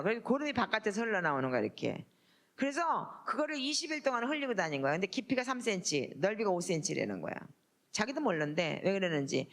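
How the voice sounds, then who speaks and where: A woman's voice: on the high side, a bit bright. A middle-aged woman pastor giving an emotional sermon testimony in a blunt, earthy, colloquial way.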